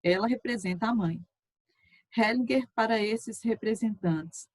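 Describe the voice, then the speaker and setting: A woman teacher reading a session transcript aloud in a steady, measured way. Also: a little high, breathy edge, no echo.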